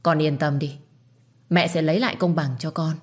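A woman's voice: sits low, fairly even intonation, moderate pace, close to an everyday voice. A woman doing a stern old matriarch. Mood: soothing. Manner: barks orders. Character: stern elderly matriarch, commanding and quick-tempered.

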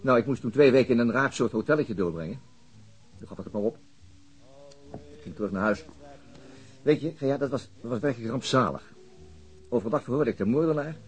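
An actor playing a weary, reticent middle-aged police detective in a naturalistic radio drama, speaking haltingly with murmured filler words. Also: male voice, mid-range voice, faint music behind, lightly acted. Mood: wry storytelling.

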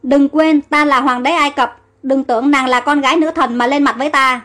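A woman's voice: high voice, brisk, fairly bright tone, soft background music. A woman voicing a proud, hot-tempered male pharaoh who speaks angrily and commands. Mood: furious. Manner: angry, commanding.

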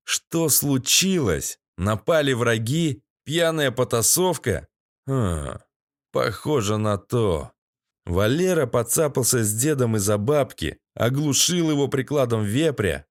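A man's voice: mid-range voice, lively intonation, slow, no room sound, studio quality. A man reading a first-person audiobook in a gritty, sardonic storytelling manner. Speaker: audiobook narrator.

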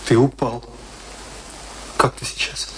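An actor playing a troubled family friend in a radio drama, soothing, hesitant and pleading. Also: male voice, takes it slowly, a bit bright, slight background noise, rough recording. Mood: concerned. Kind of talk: radio play acting.

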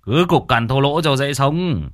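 A man voicing a gruff, boastful older exorcist who talks bluntly. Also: medium pitch, expressive, measured pace, no echo, clean studio sound, pitched above the performer's own voice, natural voice. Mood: mocking. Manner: blunt, mocking.

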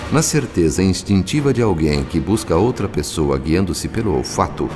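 Deep-voiced Brazilian man narrating over music. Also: big pitch swings, normal speed. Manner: solemn, theatrical, literary. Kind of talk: dramatic scripted radio soap narration. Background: music bed.

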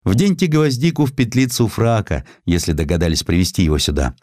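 A man voicing a brisk young female nurse, commanding and playful, in an audio story. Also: fairly low pitch, big pitch swings, a little mellow, dry recording, voice pushed up. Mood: teasing.

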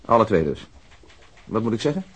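An actor playing a brisk, shrewd male police investigator in a radio crime drama, assertive and reasoning aloud. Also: on the low side, sing-song, slightly rough. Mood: brisk, insistent.

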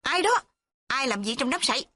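A woman's voice: a little high, expressive, brisk, fairly bright tone, no echo, voice pushed up. Woman narrator doing an alarmed young woman searching, raised and pressing; storybook read. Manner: anxious, urgent calls.

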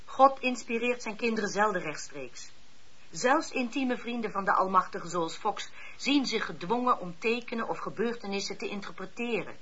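An actress playing a shrewd, poised colonel's wife in a period radio drama, cultivated and pointed in speech. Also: female voice, medium pitch, animated, moderate pace, a bit bright, breathy edge. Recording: dull, muffled old radio recording.

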